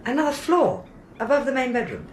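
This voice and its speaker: An actress playing a curious, persistent, genteel mistress of a house in a radio drama, questioning and dramatic in manner. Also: female voice, high voice, wildly swooping pitch, fairly quick, slight background noise. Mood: insistent, curious.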